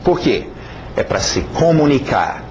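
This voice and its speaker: Animated man teaching with a foreign accent. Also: medium pitch, a little slow. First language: not Portuguese. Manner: conversational, encouraging, frequent checking tags. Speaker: English teacher. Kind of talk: casual video lesson. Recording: dull, lo-fi, faint noise.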